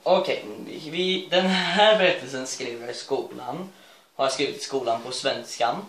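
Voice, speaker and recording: A man's voice: mid-range voice, fairly bright tone, a little hiss or hum. A man reading his own school story aloud, rambling with self-mocking asides and laughing at his own writing. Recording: echoey room.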